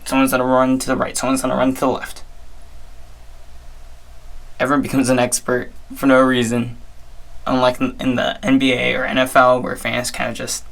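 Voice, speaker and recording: A hoarse young man hosting his own podcast, giving chatty, upbeat sports talk with frequent restarts. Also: medium pitch, completely flat delivery, moderate pace, long pauses, fairly bright tone, rough recording. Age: young adult. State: hoarse, strained voice. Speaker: podcast host. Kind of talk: casual solo sports talk.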